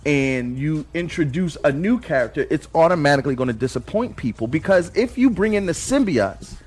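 A man's voice: a little high, animated, brisk, darkish tone, slightly rough. A man co-hosting a casual pop-culture podcast, joking around and laughing often. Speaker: podcast co-host.

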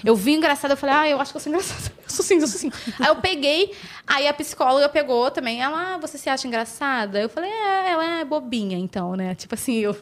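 A woman from Brazil telling animated stories as a podcast guest, acting out the people she quotes and laughing often. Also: high voice, quick pace. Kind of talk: casual storytelling chat.

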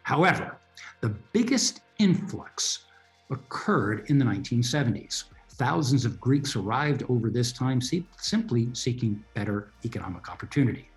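An American man hosts an interview podcast, giving a scripted introduction with emphatic rises on key words. His voice sits at a middling pitch, and faint music plays underneath. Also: sing-song, moderate pace, rough recording. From United States. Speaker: podcast host.

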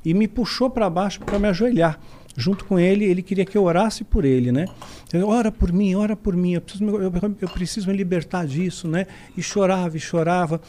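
Brief: Brazilian man, higher voice, lively storyteller who acts out every quote. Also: brisk, a little hiss or hum. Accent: Brazilian Portuguese. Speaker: podcast guest. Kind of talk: casual storytelling.

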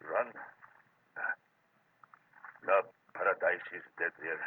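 A man playing a cowardly, fretful princely sidekick to a crook in radio crime drama, halting and anxious. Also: low-pitched. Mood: fearful, submissive. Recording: distant, muffled, noisy old radio recording.

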